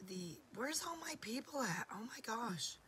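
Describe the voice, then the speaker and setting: A woman in her forties hosting a live jewelry sale from a home studio, hoarse from losing her voice and often dropping to a whisper, chatty and affectionate. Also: fairly high pitch, fairly bright tone, slight background noise. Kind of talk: live-stream sales chat.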